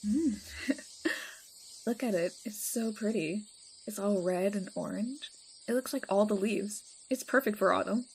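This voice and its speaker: A woman's voice: mid-range voice, a little slow, vocal fry, pauses often. Playful vampire woman, acted out, over night noise. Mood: gushing, playful. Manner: casual, teasing, dramatic exaggeration. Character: playful, chatty, affectionate female vampire friend. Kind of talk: roleplay ASMR audio drama.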